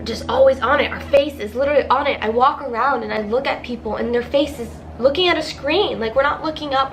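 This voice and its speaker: A young woman with a somewhat high voice and a congested, stuffy nose talks straight to her camera in a rambling, confessional way. She fills every sentence with "like" and speaks from the heart. A faint hiss of background noise sits under her voice. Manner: rambling, heavy use of "like", heartfelt. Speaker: vlogger. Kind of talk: casual confessional vlog.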